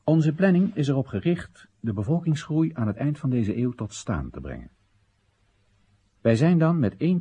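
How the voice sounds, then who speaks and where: A man's voice: fairly low pitch, mellow, breathy edge, full character voice. An actor playing an exasperated, ironic Chinese citizen addressing his comrades in emphatic short phrases, in a theatrical radio play monologue.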